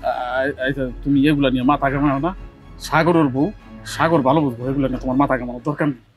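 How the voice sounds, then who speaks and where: A man's voice: medium pitch, steady tone, fast talker, faint music behind, close to an everyday voice. A man playing an anxious poor village husband. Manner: worried, despairing. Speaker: village husband and elder brother. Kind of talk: television drama acting.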